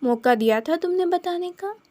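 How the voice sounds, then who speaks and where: A woman's voice: very high-pitched, expressive, normal speed, mellow, dry recording, voice pushed up. A woman voicing a playful, charming young man who teases his friends. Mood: teasing.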